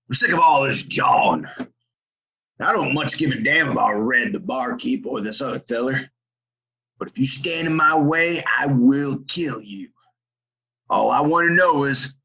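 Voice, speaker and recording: A man's voice: medium pitch, lively intonation, unhurried, bright, forceful tone, muffled recording. A man playing a menacing, vengeful outlaw colonel in a Western audio play, with folksy threatening frontier talk. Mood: cold menace. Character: ruthless, menacing Old West outlaw colonel, commanding and vengeful. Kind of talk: Western audio drama acting.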